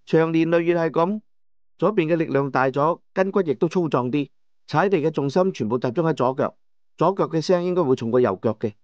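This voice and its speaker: A man narrating a first-person audiobook novel in a measured storytelling manner, over soft background music. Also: a little high, no echo, highs cut off. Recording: dry studio with soft music.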